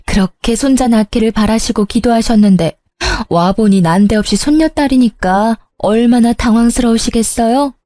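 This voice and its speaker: A woman's voice: a little high, moderate pace, hardly any pauses, dark tone, no echo, clean studio sound, natural voice. A woman voicing a tactless young sister-in-law who speaks in a snippy, reproachful way.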